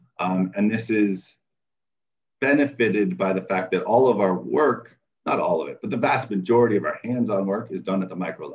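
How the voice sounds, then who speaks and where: Against a quiet background, a man uses a normal speaking voice, fairly low in pitch, at a moderate pace with ordinary pitch variation. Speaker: nonprofit founder building wind turbines; conference presenter. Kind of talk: online conference presentation. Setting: video call. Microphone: video call.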